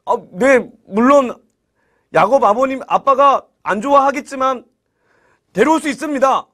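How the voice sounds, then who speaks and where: A man's voice: moderate pace, a bit bright. A man voicing Joseph's frightened older brothers in a children's Bible story, begging and pleading in a raised voice. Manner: pleading, desperate, high-pitched.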